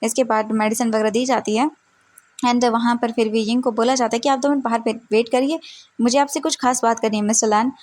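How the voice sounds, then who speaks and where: A woman's voice: on the high side, fairly even intonation, fairly quick, a little mellow. A woman retelling a fanfiction story in a chatty, casual way, dropping in English words.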